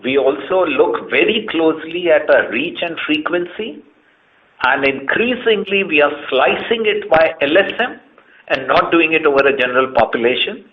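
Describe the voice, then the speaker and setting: A man's voice: a little high, expressive, moderate pace. An Indian man speaking as a company chief executive on an earnings call, explaining emphatically and setting out his points one by one. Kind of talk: earnings conference call answers. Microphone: conference call line. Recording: muffled, band-limited conference call audio.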